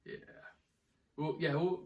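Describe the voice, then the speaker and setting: A man's voice: takes it slowly, highs cut off. A young man co-hosting a podcast, chatting casually and joking with a friend, laughing often. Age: young adult. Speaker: podcast co-host. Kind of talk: casual chat. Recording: echoey room, mic at a distance.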